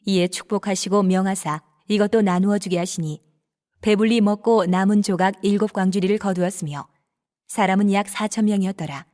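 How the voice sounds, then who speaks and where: A woman narrating scripture in a calm, even, reverent manner. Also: mid-range voice, fairly quick.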